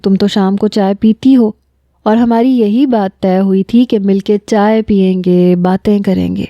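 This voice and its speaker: A woman voicing a chatty, cheerful young sister-in-law who coaxes and teases in a lively way. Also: medium pitch, no echo, lo-fi sound, natural voice.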